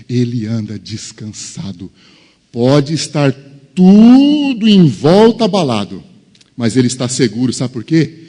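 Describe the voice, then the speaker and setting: A man preaching a sermon as pastor, swinging from loud, emphatic preaching to soft, hushed asides. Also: medium pitch, big-room sound. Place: church.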